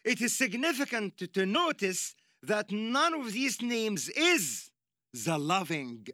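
Egyptian accent guy preaching, high voice, dry close sound, earnest and emphatic. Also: very animated, takes it slowly, sharp tone, no echo. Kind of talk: sermon.

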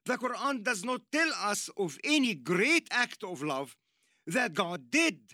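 A man with an Egyptian accent preaching slowly and deliberately, his voice high and bright. His delivery is earnest and emphatic, and the pitch swings widely. The sound is dry and close. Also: no room sound. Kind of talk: sermon.

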